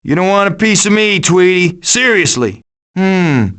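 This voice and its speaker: A man voicing a cocky, wisecracking raccoon who leads a band of foraging animals, with glib, sarcastic delivery in an animated video game style. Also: sits high, unhurried, clear, resonant tone.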